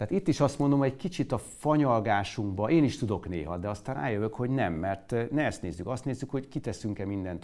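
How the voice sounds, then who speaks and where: A man talks at a fairly quick pace with lively intonation and a dark, mellow tone, on a very clean recording with a silent background. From Hungary, Székesfehérvár. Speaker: mayor. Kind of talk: casual interview.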